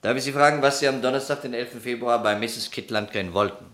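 A man's voice: medium pitch, quick pace, fairly bright tone, lightly acted. An actor playing a persistent police detective in a German radio crime play, formal and methodical in his questioning. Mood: pressing.

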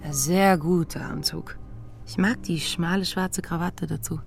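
A worn-out drifter in her thirties, her voice on the low side. She speaks with understated, sardonic dryness in an intimate radio drama, with music clearly behind her. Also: fairly even intonation, unhurried. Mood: dry, wry. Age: 30s. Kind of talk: intimate radio play acting.

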